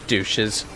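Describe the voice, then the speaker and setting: A man's voice: fairly high pitch, gravelly, a little hiss or hum, rough recording. A man giving casual, foul-mouthed commentary on a gaming livestream, muttering to himself with playfully theatrical outbursts.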